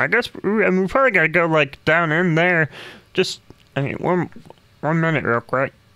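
Using a put-on character voice, a man speaks at a high pitch and a moderate pace, sounding strained, with long, frequent pauses. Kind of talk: comic overacting. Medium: actual play. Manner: chummy, cheerfully creepy.

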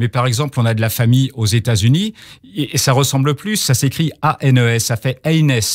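Against a quiet background, a man talks at a fairly quick pace. His voice is somewhat breathy, with ordinary pitch variation. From France, Paris. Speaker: author and retired sports journalist; radio guest. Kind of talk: radio interview. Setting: radio studio. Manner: hesitant, many fillers. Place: studio. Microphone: studio mic.

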